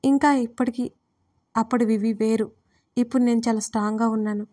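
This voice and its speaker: Lady reading a hurt but gentle little sister, teasing, warm highish voice. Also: steady tone, a little fast, no room sound, clean studio sound, lightly acted. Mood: soothing. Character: heartbroken young woman, teasing younger sister.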